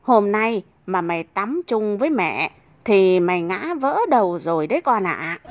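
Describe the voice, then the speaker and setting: A woman's voice: mid-range voice, lively intonation, unhurried, a little hiss or hum. A woman voicing a chuckling middle-aged father teasing his son in a comic story. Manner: chuckling, jokey.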